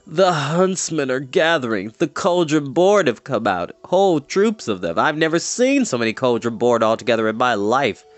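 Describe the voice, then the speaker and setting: A man plays a gloomy little fairy creature from a fantasy storybook. He complains mournfully, drawing out words in weary sighs, with pitch that rises and falls a lot. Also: big pitch swings, no echo, close to an everyday voice. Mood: anxious, mournful. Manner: drawn-out sighing, mournful, hesitant. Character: melancholy, whining, fretful fairy-folk creature, endlessly gloomy.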